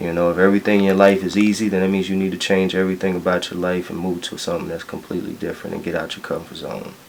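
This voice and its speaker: Against noticeable background noise, a man with a very deep, low pitch talks at a very fast pace in a monotone, flat intonation. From Japan, raised in US. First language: Japanese. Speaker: entrepreneur, studio owner. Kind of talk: interview. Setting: studio.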